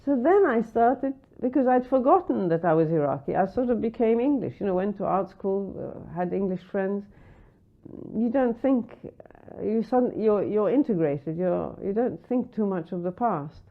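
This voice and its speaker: A woman from Iraq telling stories in an interview, animated, acting out the voices of people she quotes. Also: mid-range voice, moderate pace. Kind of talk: interview recollection. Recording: tinny phone-like sound.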